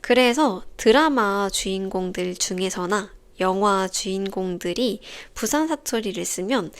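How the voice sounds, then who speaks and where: A young woman hosting a podcast for language learners, explaining in a calm, clear, carefully paced scripted way. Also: medium pitch, unhurried. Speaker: Korean teacher podcast host.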